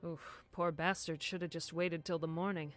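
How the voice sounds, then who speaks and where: An actor playing a calm, matter-of-fact male police detective. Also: a little high, normal speed, soft background music, lightly acted.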